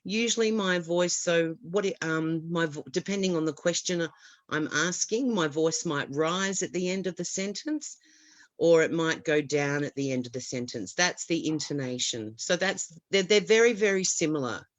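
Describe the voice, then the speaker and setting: A woman's voice: on the low side, moderate pace, no room sound. A woman giving reassuring advice as an expert guest on a webinar, explaining with small restarts over a video call.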